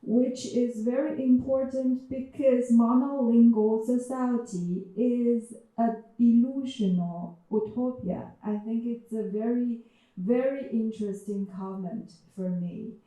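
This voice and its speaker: A woman's voice: on the high side, steady tone, takes it slowly, dark tone. A woman from China with a Chinese accent giving a reflective talk, hesitant with many fillers and restarts. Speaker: writer and panel speaker. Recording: echoey hall, speaker far from mic.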